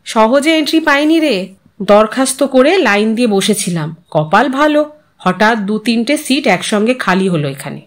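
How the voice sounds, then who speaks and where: A woman's voice: a little high, animated, moderate pace, close to an everyday voice. A woman narrator plays an elderly widow in an audio story. She is resigned and wistful, confiding her life to an old friend in a musing, weary way. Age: older.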